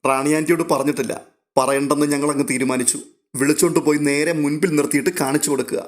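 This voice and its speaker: A playful woman teasing a younger friend with clues, read by a male narrator. The voice sits a little higher than his own and keeps a light, mischievous tone. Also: steady tone, quick pace, close to an everyday voice.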